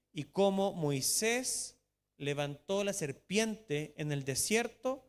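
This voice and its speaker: A Chilean man preaching a sermon as pastor, reading scripture emphatically and slowing down to stress key words. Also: high voice. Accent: Chilean Spanish. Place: church sanctuary. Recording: long church reverb.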